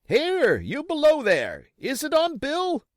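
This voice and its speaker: A man voicing a blind pirate villain in an audiobook, furious and domineering, shouting orders and curses. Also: very high-pitched, huge pitch swings, takes it slowly, no echo, studio quality, pitched above the performer's own voice, exaggerated voice. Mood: fierce impatience. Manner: shouting, cursing, barking orders. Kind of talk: audiobook character voice.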